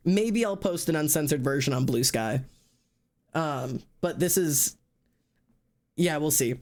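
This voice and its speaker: A streamer and artist in casual chat, talking in an excitable, rambling way and swearing freely. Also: mid-range voice.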